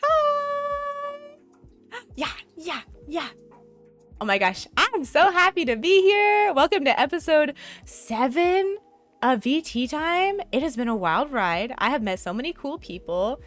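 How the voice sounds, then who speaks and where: A woman's voice: high-pitched, sing-song, slow pace, fairly bright tone. A young adult woman with an American accent hosting a casual chat show, bubbly, giggly and playful. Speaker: host. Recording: faint background music.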